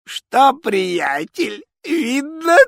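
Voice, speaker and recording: A reader voicing an irate, bearded old tsar who shouts high-pitched threats in a storybook verse tale. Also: sing-song, very slow, creaky, no room sound, clean studio sound, full character voice. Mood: gruff mocking.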